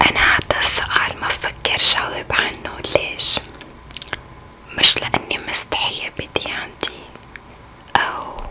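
Slow, very unhurried whispering. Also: woman. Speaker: ASMR creator. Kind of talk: ASMR whispered chat. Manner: soft whisper. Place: home room. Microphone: studio mic.

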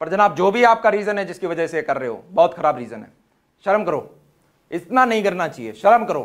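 A man with a high pitch speaks at a moderate pace, with very wide pitch swings and big swings in loudness, over a quiet background. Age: 20s. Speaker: online educator. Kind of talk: public statement video. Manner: impassioned. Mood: indignant, emphatic. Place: studio. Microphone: lapel.

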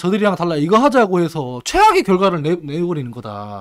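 Moderate pace over a quiet background. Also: man. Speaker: political commentator. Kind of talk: casual political talk on live stream. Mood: earnest, argumentative. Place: studio. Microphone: studio mic.

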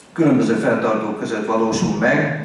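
Strong room echo surrounds a man as he speaks at a moderate pace. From Hungary. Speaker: mayor. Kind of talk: new year address. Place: hall.

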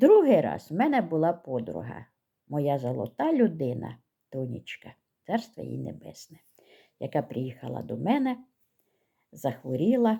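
A woman at a fairly slow pace, with long, frequent pauses and big swings in loudness. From Ukraine, Zaporizhzhia. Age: 60s. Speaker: video blogger. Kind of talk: casual chat to camera. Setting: at home in living room.

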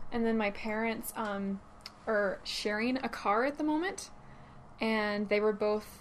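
The woman has a plain, everyday voice with a fairly high pitch. Her intonation stays fairly even. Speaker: podcast co-host. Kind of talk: casual chat.

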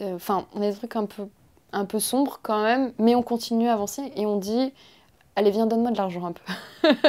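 A woman speaks at a moderate pace with a fairly high pitch and a dark, mellow tone. Her intonation stays fairly even against a quiet background. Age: 30s. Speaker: sex worker and union spokesperson; union spokesperson. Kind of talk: oral history interview. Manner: halting, with many fillers. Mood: reflective, calm. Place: studio.

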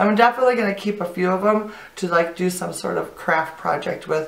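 With audible room echo around her, a woman talks at a moderate pace. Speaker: lifestyle vlogger. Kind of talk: casual vlog chat. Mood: cheerful, enthusiastic. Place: kitchen.

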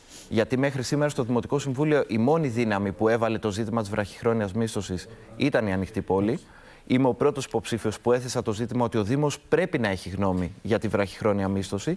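A man talks fairly briskly in a medium register, his pitch shifting in an ordinary way. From Athens, Greece. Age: 30s. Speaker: mayoral candidate; candidate. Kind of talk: interview. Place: studio. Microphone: lapel.

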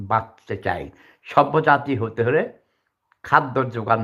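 Against a quiet background, a man with medium pitch and a bright, sharp tone speaks with ordinary pitch variation. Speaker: political commentator. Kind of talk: political rant monologue. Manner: animated.

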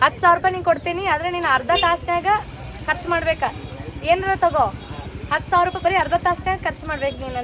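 A woman uses a raised, projected voice at an extremely high pitch with fairly even intonation. Noticeable background noise runs behind her. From India, Dharwad area, north Karnataka. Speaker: vlogger. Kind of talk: casual vlog narration. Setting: outdoors, market.

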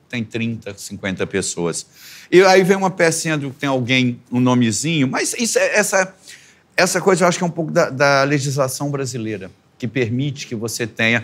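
This man's pitch leaps very widely. He keeps a moderate pace. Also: fairly high pitch for a man. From Espírito Santo, Brazil (Vitória); Espírito Santo, Brazil. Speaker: theatre actor. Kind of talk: TV talk show interview. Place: studio. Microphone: lapel.

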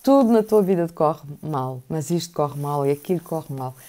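Over a quiet background, a woman speaks in a very deep, low pitch with a dark, mellow tone. Her intonation is lively and her pace fairly quick. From Portugal. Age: 50s. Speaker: YouTuber. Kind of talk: casual vlog talk. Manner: animated. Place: home room. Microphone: earbuds.

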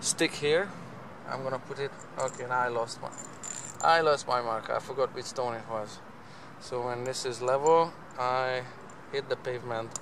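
Pausing long and often, a man speaks with fairly even intonation in a dry sound with no echo, over noticeable background noise. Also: moderate pace. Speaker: diy demonstrator. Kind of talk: tutorial. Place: street. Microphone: camera far.

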